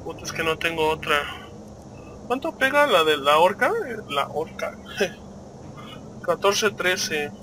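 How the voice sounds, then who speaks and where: Excitable cursing Mexican man, high voice. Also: slow pace, pauses often, slight background noise. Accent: Mexican Spanish. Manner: excitable, cursing constantly, loud outbursts at the game. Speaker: gaming video host. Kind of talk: gameplay commentary.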